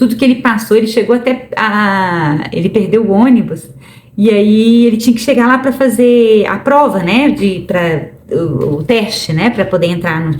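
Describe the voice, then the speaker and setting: Over noticeable background noise and audible room echo, a woman speaks at a moderate pace with lively intonation. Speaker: psychologist and hypnotherapist. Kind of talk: casual educational talk to camera.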